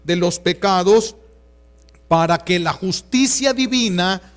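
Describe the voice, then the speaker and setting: A Catholic priest with a Mexican Spanish accent preaching a sermon in an earnest, pastoral way, repeating key phrases for emphasis. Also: male voice, sits high, takes it slowly.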